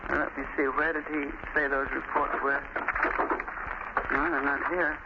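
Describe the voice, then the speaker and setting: An actor playing a fussy, hesitant old medical examiner in 1930s radio style on an old noisy recording. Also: male voice, fairly high pitch, little pitch movement, moderate pace, dull audio, close to an everyday voice. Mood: musing, fussy. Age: older. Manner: fussy, hesitant, muttering to himself. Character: kindly old veteran medical examiner, later terrified murder victim.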